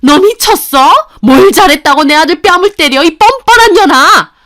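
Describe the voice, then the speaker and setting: A woman voicing a furious mother-in-law who berates her daughter-in-law in a shrill voice, in a radio-style story. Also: animated, normal speed, fairly bright tone.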